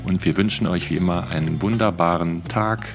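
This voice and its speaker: A man co-hosting a podcast, signing off warmly while fumbling for words. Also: low voice, brisk, over music. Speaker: podcast co-host. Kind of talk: casual podcast sign-off.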